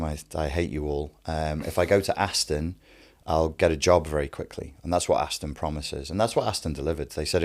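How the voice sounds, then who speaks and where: Very deep-voiced Scouse man. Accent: Scouse, Wirral. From Wirral, England. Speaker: interview guest, life coach. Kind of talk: telling his life story in an interview.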